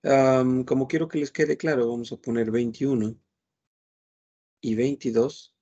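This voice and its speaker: Male teacher, slow and patient, gravelly and a bit husky. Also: medium pitch, steady tone, warm tone, lo-fi sound. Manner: patient, repeats words while explaining slowly. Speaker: French teacher. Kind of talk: online class lesson.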